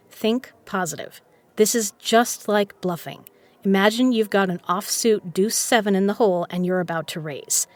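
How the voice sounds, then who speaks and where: An actress plays a self-assured woman in an audio drama, with a voice of medium pitch. She talks frankly and coaxingly, like family, with a teasing edge and real care underneath. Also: natural voice. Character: confident, teasing, caring woman poker player, the man's cousin.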